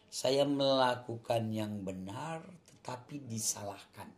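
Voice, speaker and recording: A man's voice: mid-range voice, takes it slowly, slight background noise. A man from Aceh with an Acehnese accent, telling his faith story in a casual interview, earnest and emphatic, repeating his points. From Aceh, Indonesia. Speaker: guest testifying about his faith. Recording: echoey room.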